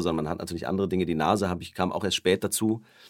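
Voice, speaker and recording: A man speaks with a very deep, low voice. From Munich, Bavaria. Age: 40s. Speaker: stage and TV actor. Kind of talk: interview. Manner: halting, many fillers.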